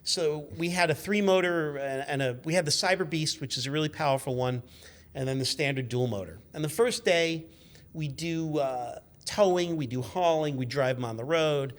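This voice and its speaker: A man in his fifties chatting casually as a guest, telling animated, rambling, sweary anecdotes as a car journalist. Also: fairly high pitch, normal speed. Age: 50s.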